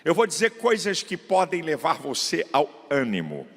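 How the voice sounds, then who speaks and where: A middle-aged pastor preaching an emphatic sermon, swinging between shouted peaks and low asides and drawing out key words. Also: male voice, wildly swooping pitch, normal speed. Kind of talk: fiery sermon. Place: large church. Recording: long hall reverb in a church.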